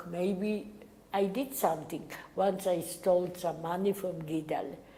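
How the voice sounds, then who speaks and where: In a room with audible echo, a woman speaks very slowly at a medium pitch with a non-native accent. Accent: foreign accent in English. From Poland, Lublin. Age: 90s. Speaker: Holocaust survivor. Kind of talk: testimony interview.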